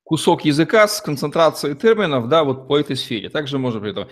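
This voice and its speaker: A man's voice: on the high side, very animated, fast. A man interviewing a guest, asking long thoughtful questions. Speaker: interviewer, host. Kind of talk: interview conversation.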